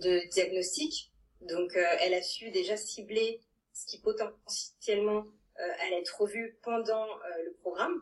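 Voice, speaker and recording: A woman talks at a fairly high pitch with lively intonation. Her loudness swings widely. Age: 30s. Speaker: coaching client giving testimony. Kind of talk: testimony. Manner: halting, many hesitations.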